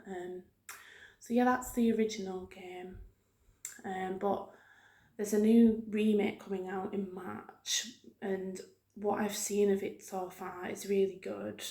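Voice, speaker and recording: A woman talks softly in a casual ASMR ramble, with an even, fairly flat pitch. She wanders from thought to thought in a hesitant, informal way, like a video host chatting to viewers. The room adds a clear echo around her voice. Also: takes it slowly. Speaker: YouTube host. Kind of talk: soft-spoken ASMR ramble. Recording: roomy, echoing room sound.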